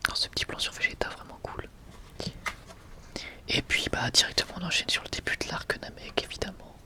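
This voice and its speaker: An ASMR creator speaking casually in a breathy whisper, rambling and correcting themselves like a fan sharing a collection. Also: a little fast. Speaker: ASMR video creator presenting a manga collection.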